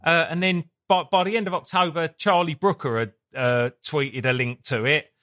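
Male interview guest, Essex accent, slightly high and bright voice, loose rambling delivery, colloquial and sweary. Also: steady tone, normal speed. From Essex, England. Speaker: guest, punk band singer. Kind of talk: casual interview chat.

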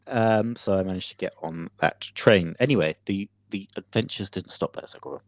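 A man co-hosting a podcast, telling a story theatrically with many pauses and fillers. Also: sits low, no room sound. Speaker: podcast co-host. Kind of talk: casual chat.

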